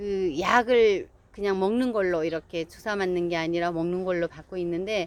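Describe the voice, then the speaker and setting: A plain, everyday voice from a woman, medium in pitch, at a moderate pace with fairly even intonation. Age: 60s. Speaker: poet. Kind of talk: casual talk. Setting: outdoors.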